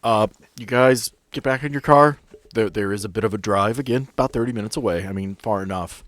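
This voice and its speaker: A man's voice: fairly low pitch, a little fast, dry recording. A man running a tabletop roleplaying game, narrating scenes in a conversational, explanatory way. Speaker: game master.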